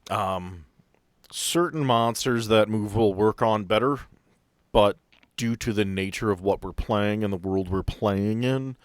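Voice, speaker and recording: Low male game master, dry close mic, descriptive narration. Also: no room sound. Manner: descriptive, explains rules at length.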